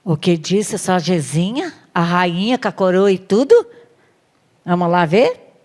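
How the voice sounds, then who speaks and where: Lively Brazilian woman preacher. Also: lowish voice, unhurried. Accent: Brazilian Portuguese. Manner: lively, acts out Bible stories, asks the room questions. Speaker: pastor. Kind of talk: sermon at a women's service.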